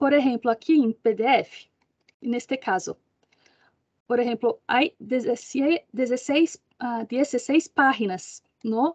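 A woman's high voice with ordinary pitch variation, very slow with long, frequent pauses, over a quiet background. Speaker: librarian, journal curator; webinar presenter. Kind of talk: online training webinar. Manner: halting, many fillers. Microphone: video call.

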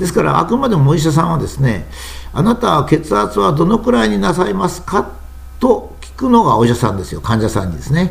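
A man talks at a fairly quick pace while noticeable background noise carries on around him. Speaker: commentator, lecturer. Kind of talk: spoken monologue commentary. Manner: frequent filler hesitations (えー).

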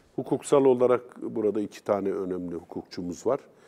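This man has a dark, mellow tone. His voice sounds dark and mellow throughout. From Turkey. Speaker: politician. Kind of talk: heated debate; TV debate commentary. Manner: animated. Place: studio. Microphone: lapel.

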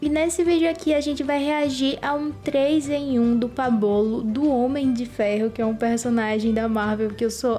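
Fairly even intonation runs over light background noise. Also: woman. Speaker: video reactor. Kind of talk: casual vlog chat. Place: home room. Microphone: studio mic.

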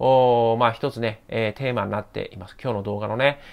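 A man speaks over a quiet background. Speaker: investment YouTuber; investor commentator. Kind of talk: market commentary monologue. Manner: fast; many filler sounds. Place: home room. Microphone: lapel.

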